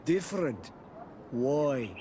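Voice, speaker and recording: An actor playing a guarded, curt tribal villager in a video game, with terse, formal, halting phrasing. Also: male voice, mid-range voice, expressive, background noise.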